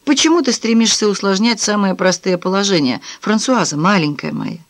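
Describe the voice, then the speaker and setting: A woman's voice: medium pitch, expressive, a little fast, dry recording, natural voice. A woman voicing a cynical, self-assured married man who lectures in a glib, dismissive way in an audiobook.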